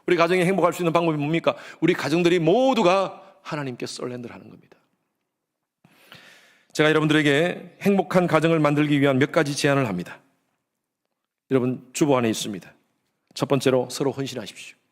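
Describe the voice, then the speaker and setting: A middle-aged man preaching a sermon as pastor, swinging between loud exhortation and hushed, low tones. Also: fast talker, pauses often.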